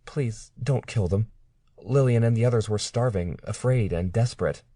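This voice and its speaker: A man's voice: lowish voice, normal speed, warm tone, breathy edge, no echo, clean studio sound, voice pushed up. A man voicing a defiant, frightened young woman. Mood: pleading. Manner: pleading, earnest, defiant. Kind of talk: audiobook character reading.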